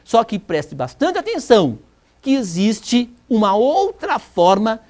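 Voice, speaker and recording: A woman's voice: fairly high pitch, huge pitch swings, slow, darkish tone. A woman with a Brazilian accent giving a recorded university lecture, teaching by rhetorical questions and emphatic repetition. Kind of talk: recorded distance-learning lecture.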